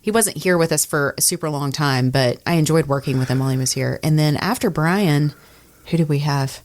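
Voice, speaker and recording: Low-voiced woman chatting candidly. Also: brisk, darkish tone. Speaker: radio personality sharing work stories. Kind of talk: casual podcast conversation.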